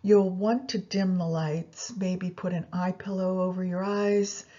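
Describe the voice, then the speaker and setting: A woman leading a guided yoga nidra meditation, giving unhurried instructions directly to the listener. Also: lowish voice, fairly even intonation, mellow, dull audio.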